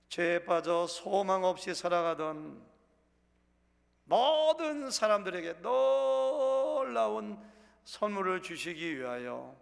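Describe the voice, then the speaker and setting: A male pastor delivers a Sunday sermon from the pulpit in a conversational manner, often asking the congregation questions. His voice sits a little high and has a gravelly edge. The sound rings with the long reverb of a church sanctuary.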